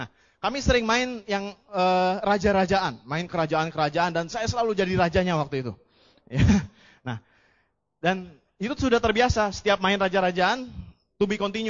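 High-pitched male speech, fairly quick, with lively intonation. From West Java, Indonesia. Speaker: network marketing leader, motivational speaker. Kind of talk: motivational talk. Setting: stage with audience.

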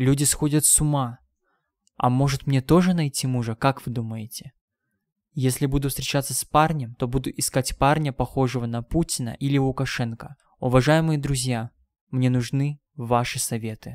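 A man uses an ordinary speaking voice at medium pitch and a moderate pace, with fairly even intonation, on a very clean recording with a silent background and a dry, close sound with no echo. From Yakutia, Russia. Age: 30s. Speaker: storyteller. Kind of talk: scripted narration.

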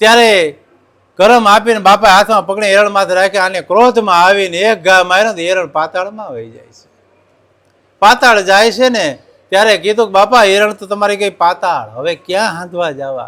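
A man speaks with a high pitch and a bright, sharp tone, his loudness swinging widely. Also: ordinary pitch variation. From Gujarat, Saurashtra (Porbandar area). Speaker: temple priest. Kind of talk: storytelling of religious history.

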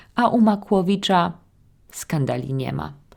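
With vocal fry and lively intonation, a woman talks at a very slow pace on a very clean recording with a silent background. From Poland. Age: middle-aged. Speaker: Polish language teacher, podcast host. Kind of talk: educational podcast monologue.

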